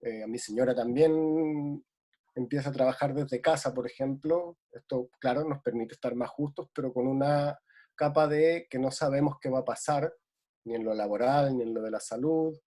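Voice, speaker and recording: A man's voice: mid-range voice, moderate pace, dark tone. A man from Ecuador speaking reflectively in a casual remote conversation, with many hesitations. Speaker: guest.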